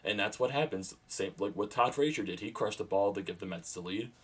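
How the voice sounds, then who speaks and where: A young man with a fairly low voice talks through the game from a small room at home, speaking into his webcam. He swings from calm to loud, excited bursts on the big plays. His throat is sore and his voice is starting to go. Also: brisk, breathy edge. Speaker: sports vlogger. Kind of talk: excited fan game recap.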